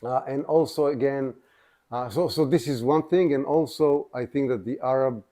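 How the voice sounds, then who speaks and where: A man representing a civil society organization, speaking on a panel in a measured way with frequent restarts. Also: mid-range voice, dark tone. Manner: measured, restarts sentences, many fillers. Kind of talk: panel discussion.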